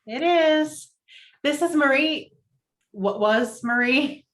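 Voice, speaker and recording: A woman's voice: sits high, slow pace, fairly bright tone. An actress playing Sally's part in a romantic comedy table read, an earnest and particular newly single woman. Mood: brisk, guarded. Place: indoors, virtual video-call table read.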